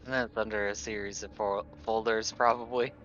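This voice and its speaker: A man's voice: lowish voice, flat delivery, moderate pace, fairly bright tone, soft background music. A man playing a tabletop game, talking casually about what his character does, on a lo-fi recording.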